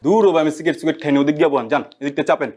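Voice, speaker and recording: An actor playing an irritated young boyfriend in a Bengali comedy skit, brusque and impatient. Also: male voice, on the high side, steady tone, rapid-fire, noisy background, natural voice. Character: irritated young boyfriend shooing away a stranger.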